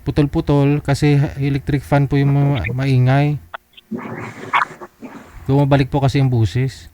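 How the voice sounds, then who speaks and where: A man's voice: completely flat delivery, a little slow. Polite man hosting a noisy live call-in. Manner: polite, keeps telling callers to lower their volume. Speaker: host of a live call-in matchmaking show. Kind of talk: casual live-stream chat.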